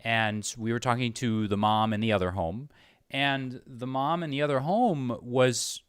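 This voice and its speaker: A man's voice: medium pitch, measured pace, clean tone, dry recording, studio quality. A man interviewing in a casual, conversational way, circling tentatively toward his points. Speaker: interviewer, host.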